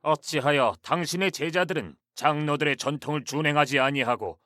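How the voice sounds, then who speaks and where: Earnest, questioning grown men, voiced by a man in a dramatized scripture reading. His voice sits a little high. It is recorded dry with no room sound. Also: fairly quick, bright, forceful tone, no room sound. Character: disciples and Pharisees, grown men.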